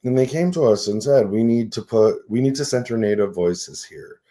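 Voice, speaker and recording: A man's voice: medium pitch, normal speed, warm tone. A man in his sixties, a nonprofit CEO, speaking as a guest in a casual radio interview, reflective and earnest, often checking in with "right?". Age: 60s.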